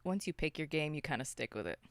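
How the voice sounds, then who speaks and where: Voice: mid-range voice, animated, fast talker, a bit bright. A podcast co-host chatting casually about films in a loose, rambling, unscripted way. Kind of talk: casual unscripted film discussion.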